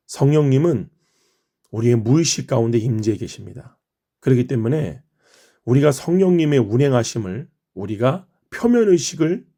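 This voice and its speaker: A man's voice: mid-range voice, warm tone, slightly rough. A middle-aged man from Chungcheong, Korea, leading a morning prayer and explaining his sermon in an earnest, teaching way. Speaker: pastor.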